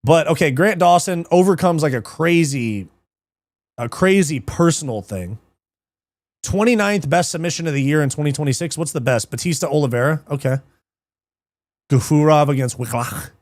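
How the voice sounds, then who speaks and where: Excitable profane man hosting a fight show. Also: on the high side, normal speed, no echo. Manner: profane, excitable, reads live chat, laughs often. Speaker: livestream MMA show host. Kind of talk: casual livestream commentary.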